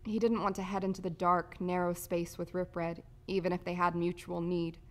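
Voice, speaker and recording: A woman's voice: lowish voice, flat delivery, moderate pace. A woman working as a voice-over artist, reading scripted narration.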